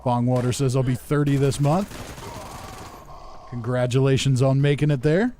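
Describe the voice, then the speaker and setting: A man around forty talks casually to his live-stream audience in a medium-pitched voice. He is good-humoured and conversational, moving between reading viewer comments and remarking on his game. Faint game sounds sit behind him. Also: steady tone, moderate pace, mellow. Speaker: game livestreamer. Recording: game noise and gunfire behind voice. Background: video game sounds, gunfire.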